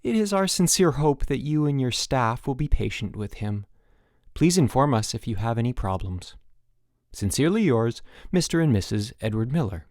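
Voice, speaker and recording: A man's voice: medium pitch, animated, moderate pace, darkish tone, dry recording, studio quality, lightly acted. A man voicing a concerned parent's letter in a storybook, formal and careful. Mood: earnest, cautioning.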